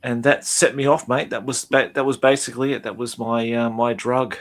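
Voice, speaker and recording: An Australian man in his fifties chats as a podcast guest. He keeps a laid-back tone, calls people mate and trails off into fillers, his voice at a plain mid pitch. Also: steady tone, a little fast. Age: 50s. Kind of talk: casual chat.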